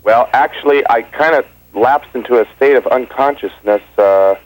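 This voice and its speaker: A forty-year-old man answering a radio host casually, in a good-humoured, halting way. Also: mid-range voice, faint music behind, low-quality recording. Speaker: phone interviewee on a radio show.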